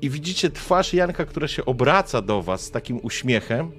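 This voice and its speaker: A man's voice: mid-range voice, sing-song, moderate pace, a bit bright, soft background music. A young man acting as game master, narrating a tabletop game with vivid, dramatic scene descriptions.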